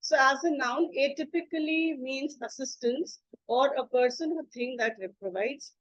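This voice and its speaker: A woman teacher giving a slide presentation on English words, explaining slowly, spelling words out and pausing on fillers. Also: high voice, fairly bright tone, no echo, muffled recording.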